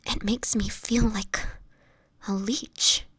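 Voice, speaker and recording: Woman playing a breathy, slow-spoken sickly vampire woman. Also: medium pitch, steady tone, fairly bright tone, dry recording, heavily acted. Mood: reluctant, sad. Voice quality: breathy, often whispering. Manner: hesitant, tender, pleading. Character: sickly homeless vampire woman, gentle, anguished and ashamed. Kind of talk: breathy audio roleplay addressed to the listener.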